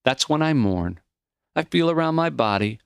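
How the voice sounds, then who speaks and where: A man voicing a gentle, reflective, dying elderly teacher in an audiobook, speaking earnestly and plainly in measured phrases. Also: fairly high pitch, animated, gravelly, smooth, dry recording, studio quality, voice pushed up. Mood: mournful, accepting. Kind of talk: audiobook character voice.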